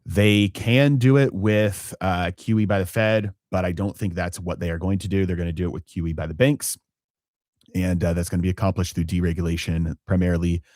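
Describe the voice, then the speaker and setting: A man with a very deep voice hosts a live finance stream, thinking aloud with frequent fillers and restarts. The sound is dry and close, with no room around it. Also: fairly even intonation, darkish tone, dry recording. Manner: halting, many fillers and restarts. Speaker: finance channel host. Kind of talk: live-stream market commentary.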